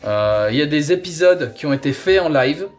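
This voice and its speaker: A man's voice: a little high, expressive, moderate pace, soft background music. A man hosting a review show, chatting casually as he presents and gives his opinion. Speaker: host reviewing audio sagas.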